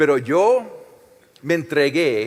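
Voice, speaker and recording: A man with a non-native accent and a fairly high pitch. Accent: non-native Spanish, improving fluency. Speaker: preacher. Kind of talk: sermon.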